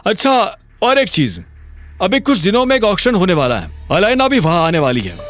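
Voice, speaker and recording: A man voicing a businessman who approves and gives advice, calm and encouraging. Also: high-pitched, normal speed, heavily acted. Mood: approving. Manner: warm, approving, advising.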